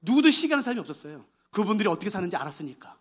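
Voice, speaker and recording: A man's voice: sits high, sing-song, rapid-fire, a bit bright, breathy edge. A male pastor preaching a sermon, telling a story with great animation and acting out its characters' voices.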